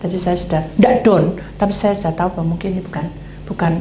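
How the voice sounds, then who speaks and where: A woman's voice: on the low side, quick pace. A woman pastor, telling a story in a sermon and acting out the voices of the people in it. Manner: acts out quoted dialogue, animated. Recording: echoey hall, faint noise.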